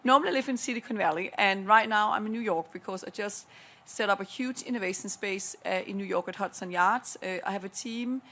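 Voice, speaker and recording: A woman's voice: medium pitch, fairly quick, bright, forceful tone. A woman from Denmark with a Danish accent, speaking on a conference panel, enthusiastic and persuasive as she rattles off figures. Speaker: panelist, corporate innovation lead. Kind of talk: panel discussion remarks. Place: conference room at a panel event.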